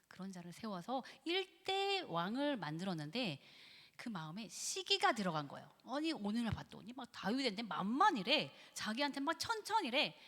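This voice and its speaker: A woman professor giving a church lecture on biblical psychology, acting out quoted voices and laughing often. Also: fairly high pitch. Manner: lively and animated, acts out God and Satan in quoted voices, laughs often. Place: church sanctuary. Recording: echoey church hall.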